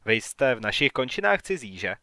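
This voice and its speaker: A man's voice: medium pitch, big pitch swings, no room sound, clean studio sound. Man doing a polite small-town realtor. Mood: polite, probing. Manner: courteous, then sharp and questioning. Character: polite male small-town real estate agent.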